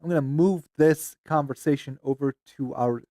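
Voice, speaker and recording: A man's voice: fairly high pitch, moderate pace, warm tone. A man hosting a casual stream chat, often distracted and muttering to himself while he fixes his screen. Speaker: streamer host.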